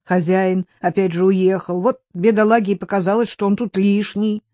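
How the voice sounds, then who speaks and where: A woman's voice: medium pitch, level tone, moderate pace, warm tone, no echo, close to an everyday voice. A woman voicing a grumbling old peasant housekeeper with folksy, scolding speech, in a storybook reading. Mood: fretting.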